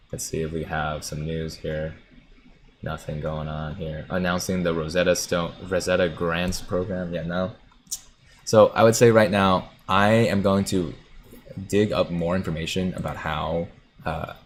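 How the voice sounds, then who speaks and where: Deep-voiced man hosting a chatty livestream. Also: a little hiss or hum. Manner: chatty, laughs often, muses aloud. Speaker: livestream host reading viewer comments. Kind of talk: casual livestream chat about stocks.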